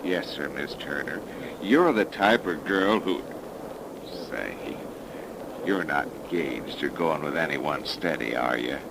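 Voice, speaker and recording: A male actor playing a gruff, folksy investigator who follows his hunches, bossy and colloquial, in a 1930s radio mystery style. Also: a bass voice, animated, slow pace, heavily acted. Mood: folksy, flirtatious. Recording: noisy 1930s radio broadcast recording.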